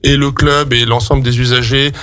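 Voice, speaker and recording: A man with a French accent speaks as a guest in a radio interview. He explains practical matters step by step, halting and hesitating as he searches for words. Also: mid-range voice, flat delivery, sharp tone, faint music behind. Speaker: guest, public sports facilities staff.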